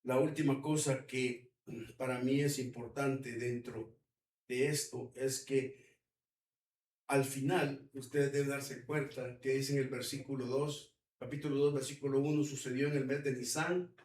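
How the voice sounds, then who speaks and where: Salvadoran pastor in an echoing church. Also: male voice, medium pitch, level tone, a little slow, a little mellow. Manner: colloquial, asks the audience questions, acts out quotes. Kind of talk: conversational sermon. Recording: echoey hall, mic at a distance.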